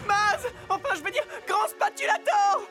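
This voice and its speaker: A woman's voice: very high-pitched, moderate pace. A woman voicing a brash, cheeky, wisecracking young superhero in a French cartoon dub. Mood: alarmed. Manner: punning, cocky, exclamatory. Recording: loud music behind.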